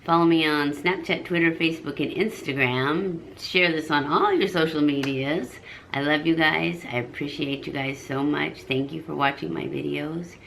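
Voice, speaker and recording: A woman's voice: low voice, moderate pace, creaky, a bit bright, slight background noise, low-quality recording. A woman in her fifties giving a casual, chatty makeup review to camera. She rambles a little and corrects herself as she goes. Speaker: beauty vlogger.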